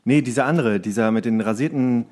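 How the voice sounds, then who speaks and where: A man's voice: medium pitch, fairly quick, darkish tone. Man chatting with his mouth full. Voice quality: speaking with mouth full, chewy. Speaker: podcast co-host. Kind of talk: casual banter.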